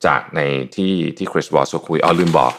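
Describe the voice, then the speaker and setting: A man's voice: a bass voice, normal speed, a bit bright, a little hiss or hum. A man hosting a solo podcast, explaining a technique step by step in a chatty way, with many polite particles. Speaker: podcast host.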